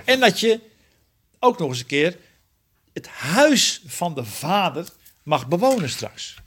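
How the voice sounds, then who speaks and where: A man's voice: high voice, very animated, takes it slowly, fairly bright tone, husky. A man leading a Bible study, explaining scripture verse by verse and often checking with his listeners. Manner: earnest, often asks the group questions; explains verse by verse, self-correcting. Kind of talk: interactive Bible teaching.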